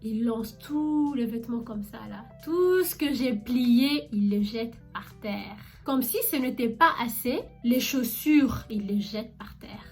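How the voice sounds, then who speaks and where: A young woman with a fairly high voice tells a story in a casual vlog. She is chatty and animated, talking straight to her viewers. Soft music plays faintly behind her. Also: slow pace, few pauses. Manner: chatty and animated, addresses viewers directly with many fillers. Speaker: vlogger recounting her job as a shop saleswoman.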